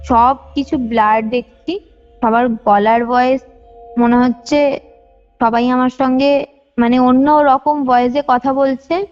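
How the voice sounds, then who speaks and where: A woman's voice: a little high, a little mellow. A young woman telling a personal story in detail on a phone call, repeating phrases for emphasis. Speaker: caller sharing a personal ghost experience. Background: faint music.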